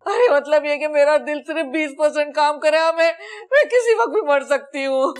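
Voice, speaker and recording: A woman's voice: sits high, moderate pace, natural voice. An actress playing a melodramatic older mother with a Pakistani Urdu accent, wailing and complaining theatrically in a sitcom. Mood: panicked. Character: melodramatic old mother, hypochondriac, bossy and wailing. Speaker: ailing mother-in-law. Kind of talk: sitcom acting.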